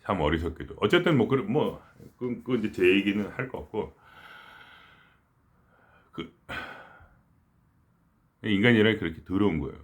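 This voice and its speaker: A middle-aged man giving a casual spiritual talk, rambling and conversational, with frequent restarts and quiet murmured asides. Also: fairly low pitch, lively intonation, normal speed, long pauses. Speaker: spiritual teacher.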